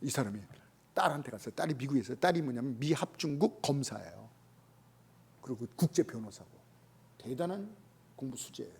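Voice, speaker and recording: A man preaching a Sunday sermon as pastor, telling stories with lively acted-out dialogue and rising to shouts. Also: medium pitch, fairly quick, gravelly, long pauses, breathy edge. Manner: animated storytelling, acting out quoted voices, rising to shouts.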